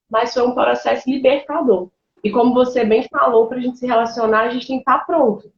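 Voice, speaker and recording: A woman's voice: on the high side, echoey room, muffled recording. A woman pastor, telling her personal testimony in an interview with emotion and bursts of laughter. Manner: emotional, animated storytelling with laughs and colloquial fillers.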